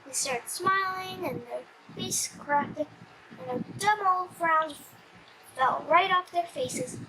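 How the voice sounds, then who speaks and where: A child reading a comic storybook aloud in an animated, slightly stumbling way. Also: extremely high pitch, takes it slowly, vocal fry, background noise.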